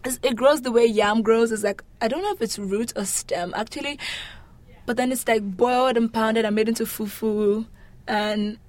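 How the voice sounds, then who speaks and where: A young adult woman from Lagos with a Nigerian accent, answering interview questions in a chatty, humorous, expressive way. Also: a little high, normal speed. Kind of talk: casual interview chat.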